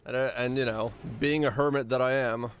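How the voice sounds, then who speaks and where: A hoarse man with a raspy, fading voice chatting casually while streaming a game, rambling and halting, swearing now and then. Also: medium pitch, fairly even intonation, a little hiss or hum. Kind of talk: casual gaming stream commentary.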